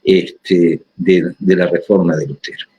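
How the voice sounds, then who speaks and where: A man with an Argentine accent speaking as a panelist in a discussion, halting, with many fillers and restarts. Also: sits low, flat delivery, warm tone, highs cut off, a little hiss or hum. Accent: Argentine Spanish.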